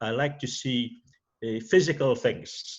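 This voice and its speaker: A man is speaking. His pace is fairly slow. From Mauritius. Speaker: leadership seminar speaker and former naval architect. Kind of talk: interview. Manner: halting, many repetitions and fillers.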